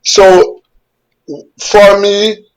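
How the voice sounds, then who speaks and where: A Jamaican man, fifties or sixties, speaks slowly and carefully as an interview guest over a webcam. His voice sits fairly high for a man. He often repeats a word or two while he settles on what to say. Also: completely flat delivery, clean tone, poor audio. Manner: measured, repeats words while forming thoughts. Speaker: guest journalist. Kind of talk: unhurried interview answers. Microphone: webcam on a video call.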